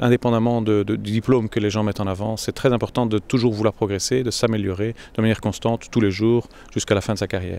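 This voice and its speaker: A man speaks very fast in a fairly low, dark, mellow voice with monotone, flat intonation. The recording is very clean, with a silent background. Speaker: bank executive. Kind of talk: interview.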